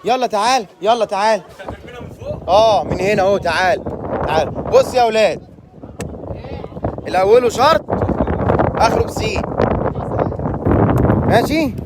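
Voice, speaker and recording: A man with an Egyptian accent, hosting a boat trip vlog outdoors at sea, loudly teasing and urging people on. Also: high voice, expressive, unhurried, pauses often, noisy background. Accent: Egyptian Arabic. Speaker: tour host.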